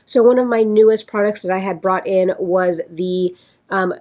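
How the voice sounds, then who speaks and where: A woman vlogger with a raspy, congested voice from a sinus infection, chatting casually and rambling a little as she talks through her products. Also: mid-range voice, fairly even intonation, normal speed, darkish tone. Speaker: beauty vlogger. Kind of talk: casual chat.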